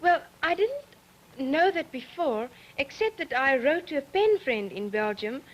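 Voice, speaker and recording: Teen woman, South African accent, high and earnest. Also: very animated, a little slow, rough recording. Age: late teens. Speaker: student panelist.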